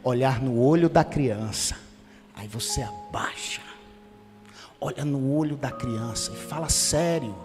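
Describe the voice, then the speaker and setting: A man preaching a sermon as pastor, telling lively family stories and acting out the dialogue. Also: mid-range voice, unhurried. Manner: animated storytelling with quoted family dialogue. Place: church sanctuary. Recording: church hall reverb with music behind. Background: guitar music.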